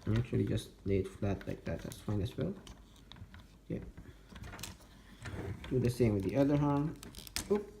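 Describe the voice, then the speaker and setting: Guy going slow thru a toy transform, gravelly voice, echoey room w/ noise behind. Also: mid-range voice, lively intonation. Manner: slow, step-by-step instructional talk, muttering to himself. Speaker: toy reviewer. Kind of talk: hands-on toy transformation demo.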